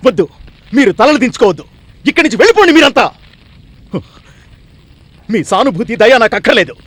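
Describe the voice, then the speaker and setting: A grieving furious son. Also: male voice, very high-pitched, no echo, full character voice. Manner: bitter, accusing, shouting. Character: grieving young man, furious at villagers. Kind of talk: 1980s film drama.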